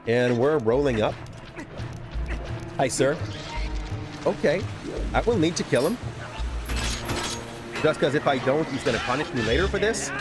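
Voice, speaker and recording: Brief: Quebec-accented male streamer, animated rising-falling delivery, game music underneath. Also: a little high, measured pace, pauses often. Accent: Québécois French. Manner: chatty, rambling, often restarts words. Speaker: gaming streamer. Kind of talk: casual gameplay commentary.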